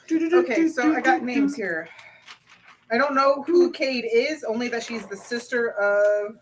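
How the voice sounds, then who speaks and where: A woman's voice: on the high side, lively intonation, unhurried, slight background noise. A woman playing in a tabletop game, chatting as she reads over her notes and asks about names. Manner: chatty, checks notes aloud. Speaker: player.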